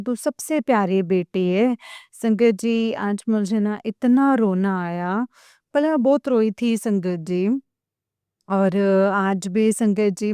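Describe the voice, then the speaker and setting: A woman's voice: medium pitch, darkish tone, smooth, dry recording, clean studio sound. A woman tearfully sharing a devotional testimony, emotionally addressing the congregation again and again. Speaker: devotee sharing her experience.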